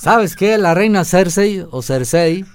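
A man voicing a loud, mock-stern rural fellow with a Michoacán country accent. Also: high voice, lively intonation, unhurried, slight background noise, pitched above the performer's own voice. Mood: blustering. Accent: Michoacán rural Mexican. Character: rustic Michoacán man, blustering, threatening.

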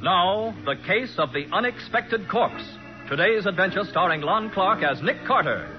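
A male American announcer delivers a scripted show opening in vintage radio style. His declamatory voice is pitched high. Loud music plays behind him on a dull old recording. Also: animated, normal speed. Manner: dramatic, declamatory. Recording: muffled old radio broadcast.

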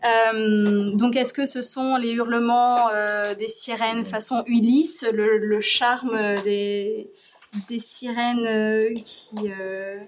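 A woman's voice: on the high side, steady tone, a little hiss or hum. Hesitant woman presenting a conference talk. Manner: hesitant, many filler pauses; analytical, explaining step by step. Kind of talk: presenting a lecture with slides.

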